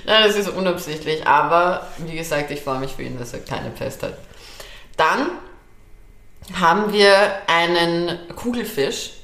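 A woman's voice: lowish voice, lively intonation, unhurried, a bit bright, roomy sound. A young woman co-hosting a podcast in casual chat, talkative, laughing often and swearing casually. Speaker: podcast co-host.

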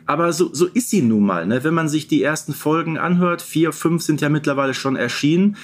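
A man co-hosting a podcast in a casual, measured, explanatory way. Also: a little high. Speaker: podcast co-host.

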